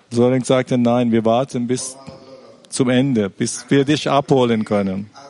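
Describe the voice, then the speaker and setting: Amid noticeable background noise, a man keeps a very even loudness and fairly even intonation at a medium pitch and moderate pace. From Iran. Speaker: congress participant. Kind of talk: personal testimony.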